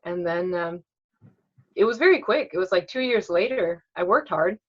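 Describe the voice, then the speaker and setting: A woman's voice: fairly low pitch, lively intonation, normal speed, highs cut off. A woman who grew up in Sweden, telling her life story candidly and reflectively in a documentary interview.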